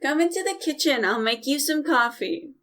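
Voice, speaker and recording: A woman's voice: high voice, lively intonation, normal speed, fairly bright tone. A woman playing a bossy, exasperated young woman in an audio drama, scolding and sarcastic. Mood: reluctant.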